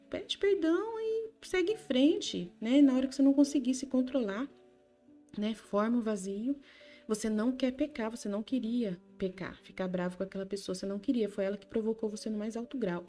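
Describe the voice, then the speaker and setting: A woman speaking as a gentle consoling Jesus. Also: on the high side, fairly quick, soft background music, natural voice. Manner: tender, reassuring, addresses listener by name. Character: Jesus, a gentle consoling male divine figure.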